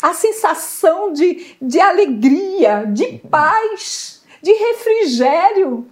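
High-voiced woman giving a faith testimony. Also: big pitch swings, a little mellow. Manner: earnest, halting, searching for words. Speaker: guest sharing testimony.

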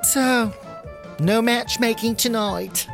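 A woman's voice: a little high, slow, vocal fry, over music. A woman playing an effusive, motherly Jewish matchmaking rabbi in a comedy audio drama, gushing and coy. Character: effusive matchmaking woman rabbi, chatty, secretly scheming host.

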